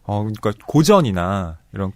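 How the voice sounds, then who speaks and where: A man's voice: lowish voice, big pitch swings, normal speed, a little mellow. A man who is a literary critic, co-hosting a casual book podcast and reading out listener comments.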